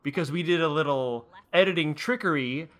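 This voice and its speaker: A man's voice: fairly high pitch, fairly quick, a bit bright. A man giving casual behind-the-scenes commentary as a creator of a series.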